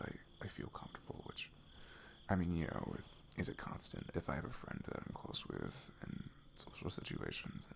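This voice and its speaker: Soft, low-pitched, creaky man acting a tender best friend. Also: full character voice. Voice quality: soft, breathy, often dropping to a whisper. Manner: hesitant, halting, chatty and tender. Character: sweet, nerdy male best friend, shyly affectionate. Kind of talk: intimate ASMR roleplay, soft improvised-sounding talk.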